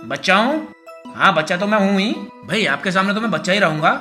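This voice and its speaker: A man plays a goofy young village son who mishears whatever is said to him. His voice is loud and bright over light music. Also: sits high, animated, quick pace. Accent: Haryanvi. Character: half-deaf, silly young village son (Sheru). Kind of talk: comedic film acting.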